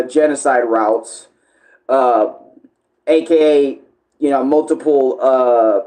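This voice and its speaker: A man's voice: mid-range voice, darkish tone. A man chatting casually as an online streamer, rambling along, often searching for words and correcting himself. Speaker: online video creator and live streamer. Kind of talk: casual rambling livestream chat.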